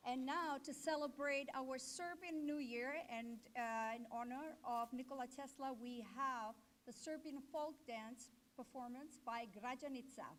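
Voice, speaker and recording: A woman's voice: high-pitched, unhurried, few pauses, slight background noise. A woman announcing the next act at an event, with brief announcing lines. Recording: distant mic, loud room ambience.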